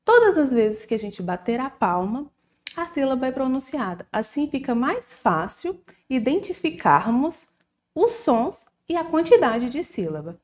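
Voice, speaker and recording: A woman teacher with a Brazilian accent giving a recorded lesson to young children, slow and sing-song, drawing out syllables. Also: sits high, big pitch swings. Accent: Brazilian Portuguese.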